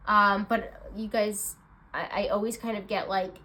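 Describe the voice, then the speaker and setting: A woman doing a casual card reading chat, with a stuffed-up nasal voice. She is bubbly and chatty, uses lots of fillers, and has bursts of excitement. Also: medium pitch, unhurried, low-quality recording. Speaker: intuitive card reader.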